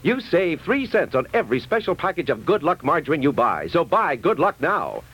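A man's voice: fairly high pitch, very animated, normal speed, very noisy. An American man reading scripted 1950s radio commercials as a polished, emphatic announcer. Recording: 1950s radio broadcast recording.

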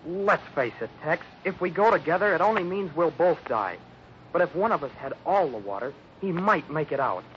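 A desperate young Westerner played by a man with a fairly high, urgent, pleading voice. He sounds worn out, in 1950s radio acting on a dull, faintly noisy recording. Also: lively intonation, moderate pace, close to an everyday voice. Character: desperate young Western man, exhausted, urging a coin toss. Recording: muffled old radio recording, faint noise.

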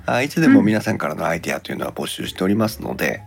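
A man's voice: deep voice, big pitch swings, very fast, gravelly, husky. A man hosting a podcast in casual chat about gadgets, thinking aloud and turning polite when addressing listeners. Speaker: podcast host.

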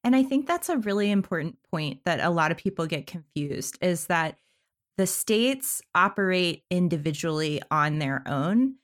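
A woman's voice: on the low side, animated, normal speed. A woman co-hosting a podcast, asking guests questions in an engaged, conversational way. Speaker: podcast co-host. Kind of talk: interview hosting.

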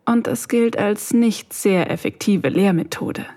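A woman's voice: medium pitch, unhurried, warm tone, no room sound, close to an everyday voice. A woman voicing a shy, flustered young woman researcher, narrating her thoughts hesitantly and in half-whispers in an intimate audio drama.

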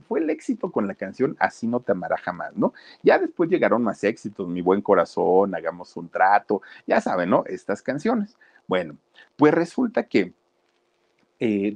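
A man's voice: lowish voice, darkish tone, highs cut off. A man telling celebrity gossip in a chatty, casual way, often addressing the listeners directly. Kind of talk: casual storytelling.

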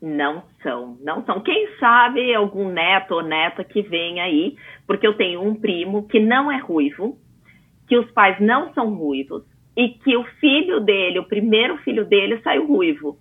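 A Brazilian woman in her forties, a guest in an interview, chatting in a lively way with many asides. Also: mid-range voice, moderate pace, slightly rough. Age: 40s. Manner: chatty, animated storyteller with frequent asides. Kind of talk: casual interview talk. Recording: tinny phone-like line.

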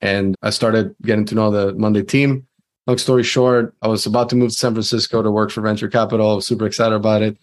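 Man, from venezuela, interview guest, lowish voice, conversational with restarts. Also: flat delivery, quick pace. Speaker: sales leader guest. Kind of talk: casual interview talk.

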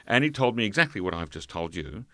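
A man telling a travel story in an interview, halting, full of fillers and restarts. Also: on the low side, big pitch swings, sharp tone, no room sound. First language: English. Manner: hesitant, many fillers and restarts. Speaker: guest. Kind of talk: conversational storytelling.

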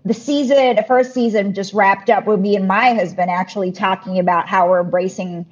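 A woman's voice: medium pitch, fairly even intonation, brisk, breathy edge. A woman in her thirties from the Philippines, a podcast guest chatting casually with lots of fillers and restarts. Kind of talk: casual interview talk. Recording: muffled lo-fi audio.

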